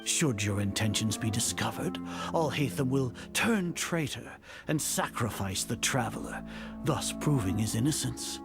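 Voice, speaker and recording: A pompous older scholar villain from a video game, speaks in a medium-pitched voice. He is imperious and coldly condescending, choosing formal words deliberately. Music plays clearly behind him. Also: expressive. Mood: calculating, cold. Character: imperious older male grand sage, cold scheming villain. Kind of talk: scripted video game voice acting. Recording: game dialogue over loud music.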